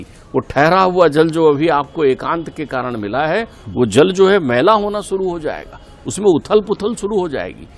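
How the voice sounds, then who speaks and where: A middle-aged man with a voice on the high side gives a spiritual talk as a guest in a TV interview. He is earnest and preaching, repeating key points for emphasis.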